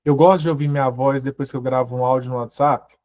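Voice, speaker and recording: A man's voice: medium pitch, steady tone, fast, a little mellow, no room sound. A man giving a motivational growth talk, asking the audience question after question. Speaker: personal growth speaker. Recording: dull, muffled audio.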